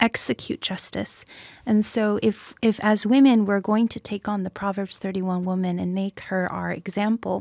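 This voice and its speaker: A woman speaks at a moderate pace in a normal speaking voice. The sound is dry and close, with no echo. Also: medium pitch for a woman, fairly even intonation. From US. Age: young. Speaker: congressional candidate. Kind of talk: interview.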